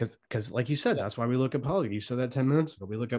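A man speaks in an ordinary speaking voice at a medium pitch. His pitch varies in an ordinary way, and the background is quiet. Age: 40s. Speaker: therapist and channel host. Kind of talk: casual chat.

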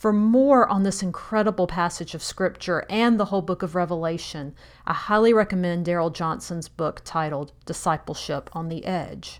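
With a Mississippi accent, a woman talks with hardly any pauses on a very clean recording against a silent background. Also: medium pitch for a woman, ordinary pitch variation, moderate pace. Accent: Southern US (Mississippi). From US South, Jackson, Mississippi. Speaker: pastor. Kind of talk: reading aloud of a devotional reflection.

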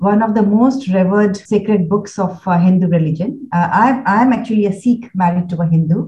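Over music in the background, a woman with a medium pitch talks at a fairly quick pace, her loudness very even and her pitch variation ordinary. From India. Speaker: Bhagavad Gita teacher. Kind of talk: interview, spiritual teaching. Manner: halting.

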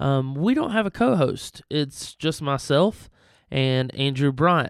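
A man at a fairly slow pace with ordinary pitch variation, in a very clean recording with a silent background. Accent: Southern US. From Mississippi, Horn Lake. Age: 20s. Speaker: podcast host. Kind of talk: podcast intro; casual interview.

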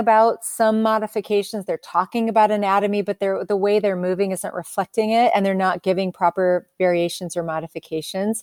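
With an American accent, a woman speaks in an ordinary speaking voice at a medium pitch and a moderate pace, with fairly even intonation. The recording is very clean, with a silent background and a dry, close sound with no echo. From US Midwest, Iowa. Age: 40s. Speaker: yoga teacher. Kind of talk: casual chat.

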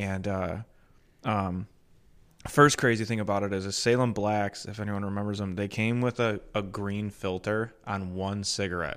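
With an American accent and an ordinary speaking voice, a man talks at a moderate pace in a fairly low pitch with fairly even intonation, captured in a very clean recording with a silent background. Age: 20s. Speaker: comedian. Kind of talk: casual chat.

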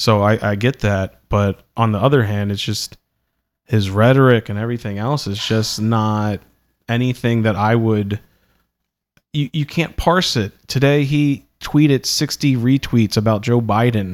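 A man with an American accent speaks in a plain, everyday voice at a fairly slow pace, medium in pitch with ordinary pitch variation. The recording is very clean with a silent background, and the sound is dry and close with no echo. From Delaware, US. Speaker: podcast host. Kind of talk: casual chat. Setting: on location in Manhattan.

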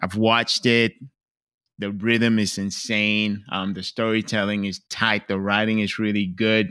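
On a very clean recording with a silent background, a man speaks fairly slowly in a fairly low, bright and sharp voice, dry and close with no echo. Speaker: podcast host. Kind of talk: casual chat.

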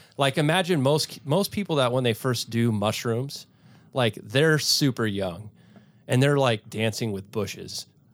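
An unremarkable speaking voice moves at a fairly slow pace with lively intonation, recorded very cleanly against a silent background. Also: man, medium pitch for a man. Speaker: guest. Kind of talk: casual chat.

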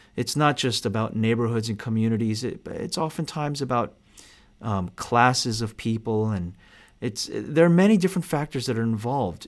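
A man with an American accent uses a normal speaking voice at medium pitch and a moderate pace. His intonation is lively, and the recording is very clean with a silent background. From New York City. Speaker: podcast host and pastor. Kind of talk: teaching monologue. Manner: measured, with frequent fillers.

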